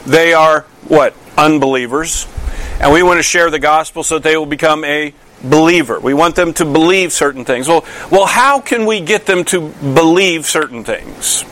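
A man's voice: on the high side, normal speed, fairly bright tone. A male pastor delivering a conversational sermon, asking his listeners many questions and often restarting his sentences. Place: church.

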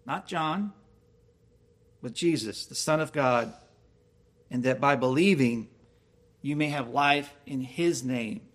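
A man's voice: mid-range voice, takes it slowly, long pauses, a bit bright. A man preaching a sermon, reading scripture aloud and explaining it with questions to his listeners. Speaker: pastor.

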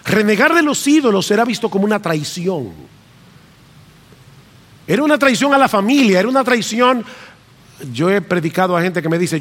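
A man's voice: high-pitched, big-room sound. A man from Argentina with an Argentine Spanish accent, preaching a sermon as a pastor, earnest and climbing in emphasis on key phrases.

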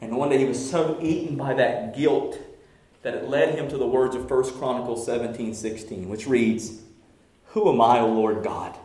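A man preaching a sermon as pastor, swinging from shouted passion to hushed, near-whispered lines. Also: medium pitch, roomy sound. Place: church sanctuary.

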